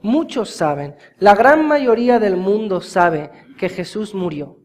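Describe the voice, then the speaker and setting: A man preaching a sermon as pastor, talking straight to his congregation and swinging from hushed, slow words to loud, urgent emphasis. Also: sits high, lively intonation. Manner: addresses the congregation directly as brothers.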